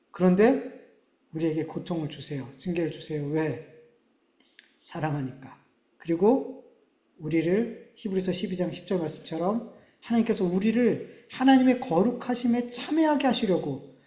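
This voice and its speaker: Earnest pastor preaching in echoing church. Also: male voice, sits high, animated, normal speed, warm tone. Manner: earnest, conversational preaching with dramatic emphasis. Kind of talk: sermon. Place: church sanctuary. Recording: echoey church room.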